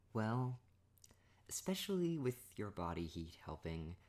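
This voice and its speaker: A man speaks in a hushed, intimate boyfriend-roleplay monologue. He is playful and self-mocking, teasing and laughing at his own story in a soft voice. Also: fairly low pitch, big pitch swings, slow pace.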